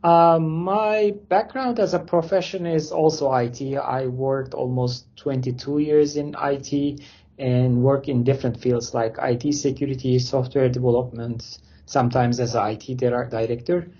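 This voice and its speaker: Man, dark husky voice. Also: mid-range voice, level tone, normal speed, lo-fi sound. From Turkey. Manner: loose non-native phrasing, many fillers. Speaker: interview guest, company founder. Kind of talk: casual interview answers.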